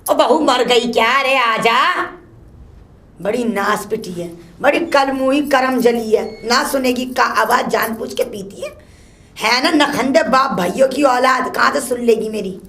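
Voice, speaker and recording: A woman's voice: unhurried, a bit bright. A woman playing a scolding old mother-in-law who curses and complains nonstop. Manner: shrill, cursing, complaining nonstop. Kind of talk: solo comedy sketch.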